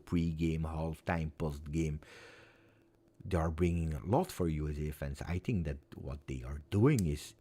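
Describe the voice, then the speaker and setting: A man in his forties with a very low, deep voice talks in English, which is not his first language. He chats casually with his viewers, rambling, circling back and repeating phrases with earnest sincerity. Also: mellow, husky. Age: 40s. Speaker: fan channel host. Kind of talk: casual live chat with viewers.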